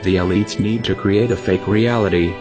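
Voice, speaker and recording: Anonymous narrator: man, voice disguised low and heavy, solemn scripted delivery. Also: steady tone. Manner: slow, grave, lecturing delivery. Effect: voice disguised to sound deep. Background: loud music.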